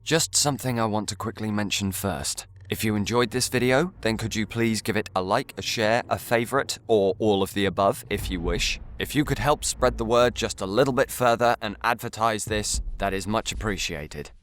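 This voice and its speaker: A man's voice: on the low side, moderate pace, few pauses, a bit bright, a little hiss or hum. A man giving a scripted, earnest address to viewers as a video creator, articulate and slightly formal.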